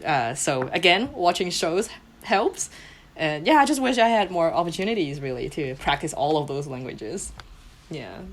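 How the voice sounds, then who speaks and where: A woman's voice: sits low, expressive, normal speed. A young woman whose first language is Cantonese, a podcast guest chatting casually and laughing often mid-sentence. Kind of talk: casual chat.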